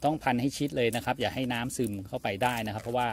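A man in his thirties giving a polite, steady gardening demonstration outdoors at a plant nursery. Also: medium pitch, racing, a little hiss or hum. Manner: polite, steady instructional delivery. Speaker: farm channel host.

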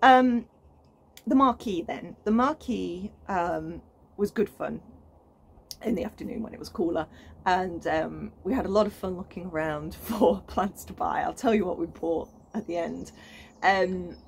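A woman's voice: on the low side, unhurried, creaky, a little hiss or hum. A woman in her thirties with a British accent, chatting casually to camera on her allotment, enthusiastic and full of ums and restarts. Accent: British English. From United Kingdom. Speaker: gardening vlogger. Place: outdoors on an allotment plot.

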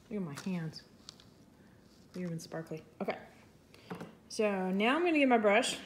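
A woman's voice: medium pitch, a little hiss or hum. Chatty woman crafting at her table. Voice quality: soothing. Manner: chatty, self-deprecating, thinks aloud. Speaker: resin artist, channel host. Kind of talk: casual crafting tutorial narration.

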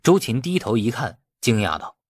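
A man's voice: medium pitch, sing-song, moderate pace, husky, dry recording, clean studio sound. A man narrating a novel as a scripted audiobook.

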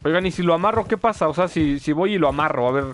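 Excitable gaming streamer. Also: male voice, a little high, fast talker, slight background noise. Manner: excitable, chatty with viewers, yelps at mishaps. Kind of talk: live-stream gameplay commentary.

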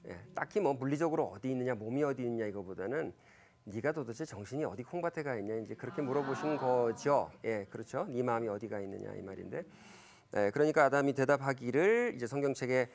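Animated, gravelly male lecturer acting out lines. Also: fast talker, a little hiss or hum. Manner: animated, acts out quoted lines with big pitch jumps; frequent fillers and self-corrections. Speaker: Christian lecturer. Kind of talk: church lecture with Bible storytelling.

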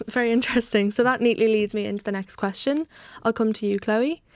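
A woman's voice: on the high side, steady tone, brisk, no room sound. A young woman hosting a panel podcast, introducing guests and putting questions to them. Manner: friendly, scripted-sounding introductions and easy questions to guests. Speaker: podcast host. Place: TV-style studio set, indoors. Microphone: large desk microphone, wearing headphones.

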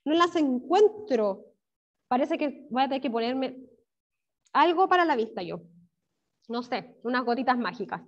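Chilean woman teacher, high voice, unhurried, dull video-call sound. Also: animated. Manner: encouraging, praises pupils by name; stretches words out slowly, syllable by syllable. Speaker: primary school teacher. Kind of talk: online class for young children.

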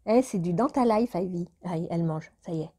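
A woman's voice: on the low side, fairly quick, dark tone. A woman vlogger chatting casually to her viewers in a rambling way, now and then talking to her cat. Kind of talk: casual chat to camera.

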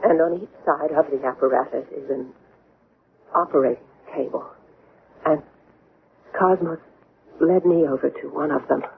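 A woman's voice: low-pitched, normal speed, creaky, long pauses. An actress playing a bewildered young woman in an old-time radio drama, recounting an alien abduction in a hesitant, wondering way. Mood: wondering, uneasy. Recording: tinny, band-limited, noisy radio recording.

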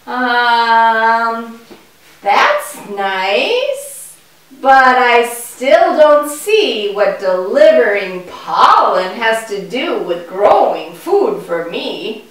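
In a reverberant room, some way from the mic, a naive young boy acted by a woman talks in a children's puppet show. The high voice is curious and wide-eyed, swinging widely in pitch with exaggerated emphasis. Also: sing-song, extremely slow, fairly bright tone, exaggerated voice. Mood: doubtful. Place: indoor puppet stage, far from the mic. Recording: echoey room, distant microphone.

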